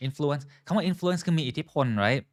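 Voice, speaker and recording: A man's voice: fairly high pitch, unhurried, dry recording, clean studio sound. A man teaching a live online English lesson, switching between English and Thai, drilling pronunciation and greeting viewers by name.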